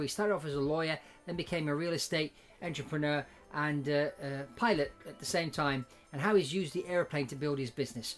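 A man speaks with faint music in the background. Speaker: podcast host, pilot. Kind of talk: interview host. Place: home room. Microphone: webcam.

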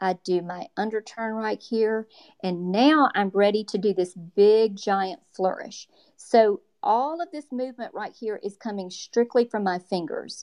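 In an ordinary speaking voice, a woman talks at a fairly slow pace with a fairly high pitch and ordinary pitch variation, the sound dry and close with no echo. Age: 50s. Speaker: professional calligrapher. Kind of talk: live lesson with demonstration. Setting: video call.

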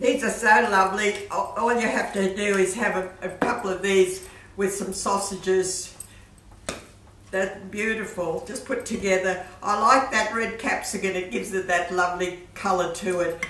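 A woman talks at a moderate pace. Audible room echo and light background noise surround her voice. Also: ordinary pitch variation. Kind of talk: tutorial. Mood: warm, cheerful. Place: kitchen. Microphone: camera far.

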